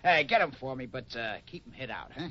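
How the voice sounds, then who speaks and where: An actor playing a pushy, excitable, scheming city photographer who stammers insistently in a 1950s radio western. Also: male voice, mid-range voice, fairly quick, lightly acted. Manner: insistent, hesitating with uhs, excitable. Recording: muffled old radio recording.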